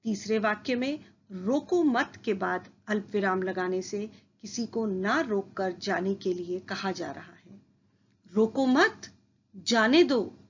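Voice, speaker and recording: A woman teacher giving a slow, careful, scripted school lesson. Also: mid-range voice, dull audio, a little hiss or hum. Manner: slow, careful, deliberate delivery.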